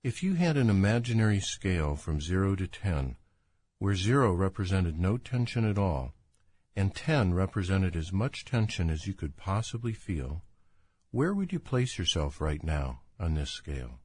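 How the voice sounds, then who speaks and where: A man with a deep, low voice guides a relaxation meditation. His delivery is calm, soothing and unhurried. The recording is dry and close, with no room sound. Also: breathy edge, no echo. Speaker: doctor guiding a relaxation exercise.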